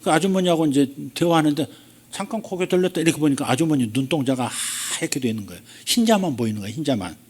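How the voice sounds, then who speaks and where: Korean pastor preaching, rising to shouts. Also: male voice, fairly high pitch, lively intonation. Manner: builds from quiet storytelling to shouted, drawn-out declarations. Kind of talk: sermon with loud prayer. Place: church sanctuary.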